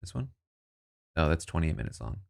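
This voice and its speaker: Low gravelly man musing casually. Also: wildly swooping pitch, a little fast. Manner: musing, thinks aloud, asides. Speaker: streamer reacting to reality TV news. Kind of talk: casual commentary.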